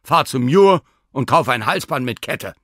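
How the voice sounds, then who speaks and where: A man voicing an excitable, commanding older male professor who gives orders in an agitated, lively way. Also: mid-range voice, unhurried, no echo, clean studio sound, pitched above the performer's own voice.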